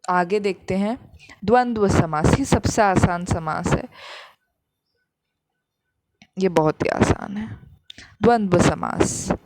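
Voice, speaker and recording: A woman's voice: mid-range voice, a little slow, a little mellow, no room sound. A woman teaching a grammar lesson, patiently repeating each example and explaining it step by step.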